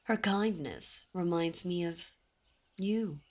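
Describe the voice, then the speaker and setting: A woman voicing a dominant, possessive demon princess in an ASMR roleplay, speaking in a silky, commanding way with soft whispers. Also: fairly low pitch, slow. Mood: languid. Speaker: voice actor. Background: birdsong and ambient sound effects.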